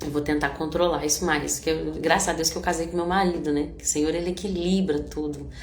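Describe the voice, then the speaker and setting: Hardly pausing at all, a woman with a very deep, low pitch talks at a fairly quick pace in an animated tone, with noticeable background noise and audible room echo. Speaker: Bible teacher. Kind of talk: Bible study livestream.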